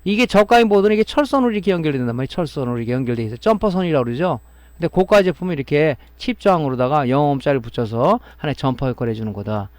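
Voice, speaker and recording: A man lecturing on electronics repair, walking through each step and often checking that listeners follow. His voice sits a little high for a man. The sound is dry and close, with no room echo. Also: animated, very fast, a little mellow. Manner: explaining step by step, often adding a tag question to check understanding. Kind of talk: classroom-style technical lecture.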